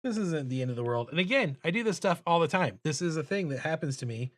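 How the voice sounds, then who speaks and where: Fast and animated, a deep-voiced man hosts a casual drawing livestream through a streaming microphone. As he illustrates, he thinks aloud in a mumbly way, often putting himself down.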